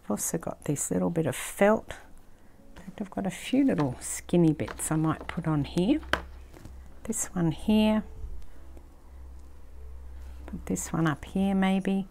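An older woman with an Australian accent, casually thinking aloud as she works on a craft project, sometimes dropping into a soft near-whisper. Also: on the low side, unhurried, gravelly, long pauses, a little hiss or hum. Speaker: craft channel host. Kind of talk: casual craft-along commentary. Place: indoor craft table, filmed from overhead.

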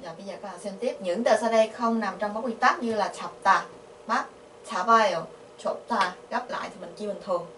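A woman's voice: medium pitch, fairly bright tone. Vietnamese woman teaching Korean grammar. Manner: patient, asks the class questions, repeats syllables slowly. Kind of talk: explaining grammar. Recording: echoey, from a distance, faint noise.

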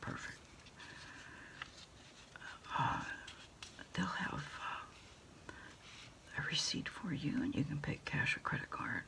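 A middle-aged American woman whispering softly and haltingly in a quiet ASMR roleplay, politely taking orders as if on the phone. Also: sits low, sing-song. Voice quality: breathy whisper with fry. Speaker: ASMR performer playing a takeout order taker. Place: small dim indoor desk space.

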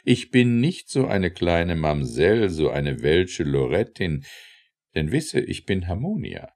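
A man's voice: deep voice, sing-song, takes it slowly, darkish tone, exaggerated voice. A man voicing a proud, stately city goddess from a verse tale, declamatory and grandiose. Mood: indignant, proud.

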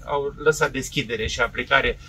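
A man's voice: mid-range voice, fairly even intonation, sharp tone, a little hiss or hum. A man giving formal congratulatory remarks at a public event.

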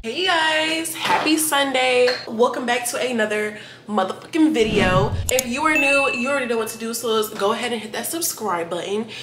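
A woman's voice: fairly high pitch, animated, brisk, few pauses, music in the background. A young adult woman vlogging her day in a casual, blunt, profane way, sounding a bit stuffy in the nose. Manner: blunt, profane, chatty, talks straight to viewers. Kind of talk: casual day-in-the-life vlog. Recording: echoey room with clattering dishes.

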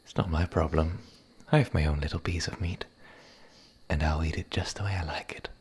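A man voicing a gentle, playful male werewolf in an ASMR roleplay, speaking softly and intimately, often in a whisper. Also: a bass voice, fairly even intonation, heavily acted. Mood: curious, playful, then hungry, hushed. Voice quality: husky, breathy, gravelly. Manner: soft, intimate, halting.

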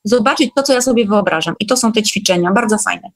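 A woman's voice: mid-range voice, fast. A woman speaking as a guest in an online meeting, chatting informally and often checking that the listener follows. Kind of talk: casual chat.

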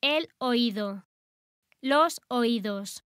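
A woman reading short phrases slowly and clearly, repeating each one for language learners. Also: fairly high pitch, expressive, a bit bright, dry recording, studio quality. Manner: clear, careful, deliberate enunciation. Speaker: language teacher.

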